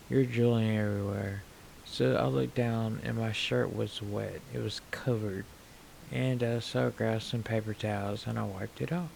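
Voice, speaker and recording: A man in his forties with slurred speech, telling his own story to camera in a plain, unhurried way. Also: fairly low pitch, creaky, a little mellow, slight background noise. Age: 40s. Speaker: vlogger.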